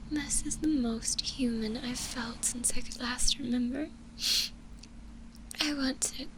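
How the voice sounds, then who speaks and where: Casting: woman as gentle, yearning zombie girl for ASMR roleplay; breathy whisper, higher-pitched, hesitant and extremely unhurried. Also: rough recording. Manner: slow, hesitant, tender delivery with long pauses. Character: gentle, lonely stitched-together zombie girl, tender and yearning.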